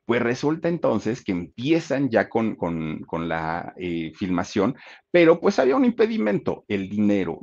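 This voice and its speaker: A man with a Mexican accent tells a story in a chatty, animated way, often stopping to ask his listeners rhetorical questions. His voice sits low but swings widely in pitch. The recording sounds a little dull and muffled. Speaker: storyteller host. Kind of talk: casual storytelling narration.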